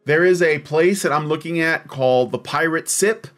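A man hosting a podcast, relaxed and rambling in casual chat. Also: fairly high pitch, normal speed. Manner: relaxed, rambling, many fillers. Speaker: podcast host.

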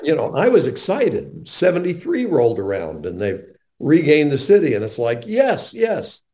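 Earnest older male radio host, mellow tone. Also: fairly high pitch, normal speed. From North Carolina, USA. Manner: earnest, animated storyteller.

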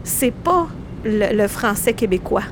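Woman from Egypt, medium pitch, explanatory, pausing testimony, faint noise. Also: animated. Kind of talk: personal testimony in an interview.

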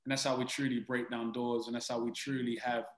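A man's voice: medium pitch, level tone, fairly quick, reverberant, low-quality recording. A man from Britain with a British accent, an actor answering interview questions in an earnest, reflective way with frequent restarts.

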